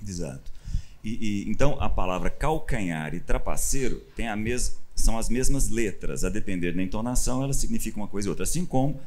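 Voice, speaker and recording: Low-voiced Brazilian man teaching scripture. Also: brisk. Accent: Brazilian Portuguese. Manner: animated storyteller, acts out quotes with sudden louder bursts. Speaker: pastor. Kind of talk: conversational Bible teaching.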